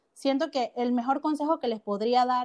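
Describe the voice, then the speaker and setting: Recorded dry and close with no echo, a woman talks in a high voice with ordinary pitch variation over a quiet background. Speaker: physiotherapist. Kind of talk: interview.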